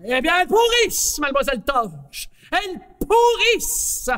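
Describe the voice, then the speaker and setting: A woman doing a shrill grumpy apple man. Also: sing-song, normal speed, fairly bright tone, long reverb tail, heavily acted. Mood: indignant. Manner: indignant, exclaiming. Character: grumpy male apple, hates rain, shouts.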